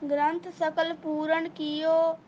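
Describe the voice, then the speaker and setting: A high-voiced woman with a Punjabi accent recites verses at a very slow pace, her chant steady and nearly flat in pitch. The recording is dull and lo-fi, with a faint ambient hum behind her. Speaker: student reciting.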